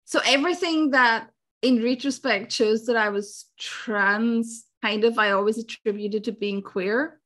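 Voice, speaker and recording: A woman's voice: fairly high pitch, measured pace, fairly bright tone. A woman, chatting casually as a podcast guest and laughing often. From Austria. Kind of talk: casual chat.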